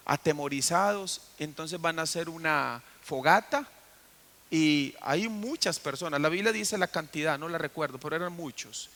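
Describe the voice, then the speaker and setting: A man's voice: a little high, vocal fry, a bit bright. A man preaching a sermon as pastor, telling the story and putting questions to the congregation. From Costa Rica. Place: church.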